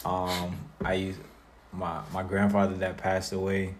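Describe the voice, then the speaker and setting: A young man from South Florida, a guest music artist talking about his life in a relaxed interview, with many fillers. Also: low voice, measured pace, slight background noise. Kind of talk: casual interview conversation.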